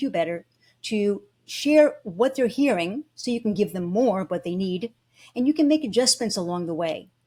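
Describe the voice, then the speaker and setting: Somewhat breathy and with lively intonation, a woman speaks at a fairly quick pace on a very clean recording with a silent background. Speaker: public speaking coach. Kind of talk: interview answer.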